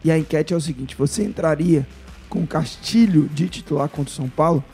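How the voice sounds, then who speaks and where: Hoarse, smoker-raspy Northeastern Brazilian male host. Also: fairly high pitch, a little fast, a little mellow, faint music behind. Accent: Northeastern Brazilian, Ceará. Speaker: sports podcast host. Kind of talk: casual live sports chat.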